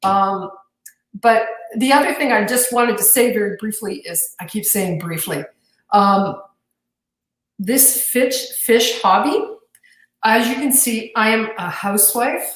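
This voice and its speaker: Somewhat breathy and fairly high, a woman's voice moves at a fairly slow pace with long, frequent pauses and audible room echo. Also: ordinary pitch variation. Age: 60s. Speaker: fish show judge and club member. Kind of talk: casual chat.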